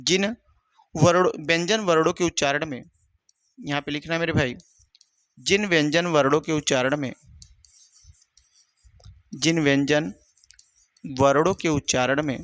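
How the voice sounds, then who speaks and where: Guy teacher, pretty high voice, keeps asking then answering himself, dry close sound. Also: measured pace, pauses often, a bit bright, no echo. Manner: repetitive, asks and answers his own questions, calls students brother. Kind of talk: exam-prep lesson.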